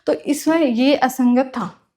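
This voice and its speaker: A woman's voice: high-pitched, slow pace, warm tone. A woman teaching for a clerk exam, explaining terms by repeating them and asking and answering her own questions. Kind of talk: classroom lecture.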